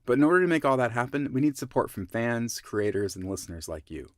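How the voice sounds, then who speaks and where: A man's voice: medium pitch, sing-song, quick pace, no room sound, studio quality. A man reading a scripted promotional announcement as a member of a podcast team.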